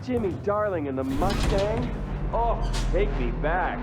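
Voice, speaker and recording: A man's voice: sits high, animated, a little slow. An actor voicing a flamboyant, foul-mouthed male vampire in a video game, campy, theatrical and teasing.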